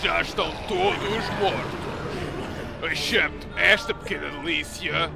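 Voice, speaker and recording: A man playing a self-important, menacing vampire priest villain in an anime parody dub, gravelly, with a European Portuguese accent. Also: on the high side, slow, heavily acted. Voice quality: gravelly, creaky. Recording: loud music behind.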